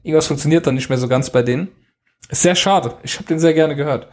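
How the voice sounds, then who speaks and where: A man chatting on a relaxed podcast, reading out listener mail with a teasing edge. His voice sits slightly high for a man. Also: fast talker. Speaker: podcast co-host. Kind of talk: casual podcast chat. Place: home.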